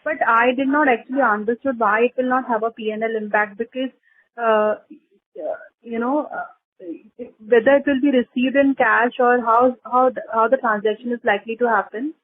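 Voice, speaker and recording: High-pitched Indian woman on tinny phone line. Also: fairly even intonation, slight background noise. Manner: halting, repetitive, probing. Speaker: analyst asking questions on an earnings call. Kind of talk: question-and-answer on a conference call. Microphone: telephone conference call.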